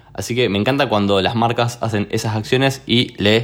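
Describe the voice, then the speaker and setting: This is a man with a normal speaking voice. He talks at a medium pitch and a fairly quick pace. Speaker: podcast co-host. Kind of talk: casual chat.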